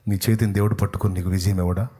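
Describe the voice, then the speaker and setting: A male pastor preaching a sermon, swinging between loud outbursts and hushed tones, full of rhetorical questions. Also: low-pitched, flat delivery, very fast, slightly rough.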